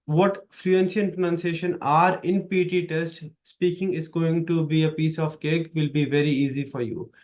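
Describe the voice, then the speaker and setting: A man's voice: fairly high pitch, moderate pace, hardly any pauses, muffled recording. Indian man coaching exam skills. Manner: emphatic, repetitive coaching with lively hand gestures. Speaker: exam prep tutor. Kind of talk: instructional video lesson. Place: small dark studio, indoors.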